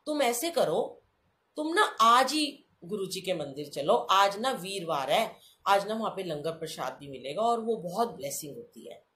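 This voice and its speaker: Animated middle-aged woman telling a devotional story. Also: medium pitch, normal speed. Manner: animated, addresses listeners as sangat ji, acts out dialogue. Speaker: satsang storyteller.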